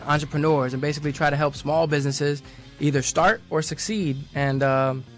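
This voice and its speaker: Fast-talking easygoing man guest. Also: a little high, steady tone, faint music behind. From New York. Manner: rambling and easygoing, quick to laugh. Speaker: radio guest. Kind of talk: casual interview talk. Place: radio studio. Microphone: studio microphone.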